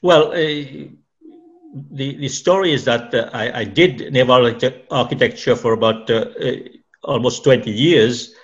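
A man's voice: mid-range voice, moderate pace, highs cut off. A middle-aged or older man from Mauritius with a Mauritian accent mixed with Canadian, telling his story in conversation as an interview guest, often repeating words as he searches for phrases.

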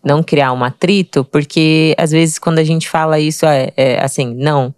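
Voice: mid-range voice, fairly even intonation, normal speed, smooth, no echo, clean studio sound. A podcast co-host asking questions in a casual conversation, a little hesitant.

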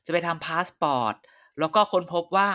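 A woman chatting casually with friends on a podcast, blunt and teasing, quick to argue back. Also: on the low side, animated, pushed and bright. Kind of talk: casual chat among friends.

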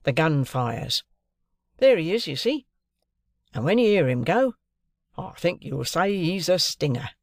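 A man voicing a cheerful, proud middle-aged male clerk, talking brisk and earnest in a raised voice. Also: on the high side, big pitch swings, vocal fry, no echo, studio quality, voice pushed up, heavily acted.

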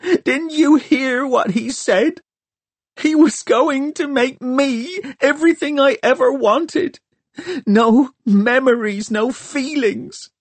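A male audiobook reader voicing a furious, grieving teenage girl in a high, strained shout. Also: lively intonation, drawn-out words, dry recording, heavily acted. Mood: furious, anguished. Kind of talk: audiobook character voice.

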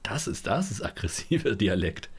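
A man's voice: lowish voice, sing-song, moderate pace, husky. A man co-hosting a podcast in casual chat, playful and teasing. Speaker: podcast co-host.

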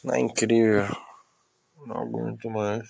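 A man's voice: mid-range voice, little pitch movement, normal speed, vocal fry, a little mellow, slightly rough. A young man, rambling through a solo podcast into a phone in a self-mocking, complaining way that often trails off into mumbles. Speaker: podcast host.

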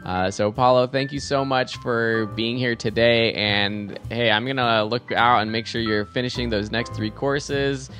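A man's voice: medium pitch, fairly even intonation, a little slow, few pauses, a bit bright, soft background music. A man hosting a podcast, upbeat and affirming as he thanks his guest and closes the show. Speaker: podcast host. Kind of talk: casual interview chat and show outro.

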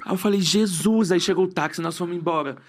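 Fast-talking young Brazilian man. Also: high-pitched. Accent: Brazilian Portuguese. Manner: fast animated storyteller, acts out quotes. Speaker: guest. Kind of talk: casual chat.

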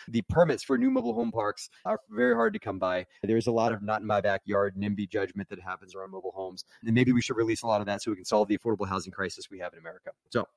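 A man hosting a podcast, talking to viewers and his guest in an energetic, casual way with quick restarts. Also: on the low side, no room sound. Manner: energetic, talks fast with restarts and asides to viewers. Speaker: podcast host. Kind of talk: casual podcast monologue and interview.

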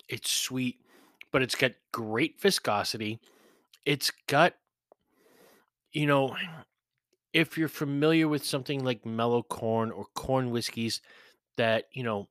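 A man's voice: medium pitch, a bit bright, no room sound, clean studio sound. A man hosting a podcast, giving a blunt, chatty whiskey review with profane, mocking asides. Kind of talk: casual spoken review.

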